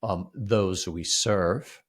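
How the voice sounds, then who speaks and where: Deep-voiced man, reflective and halting. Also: steady tone. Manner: halting, repeats words and restarts often. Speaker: podcast co-host. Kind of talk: reflective conversational discussion.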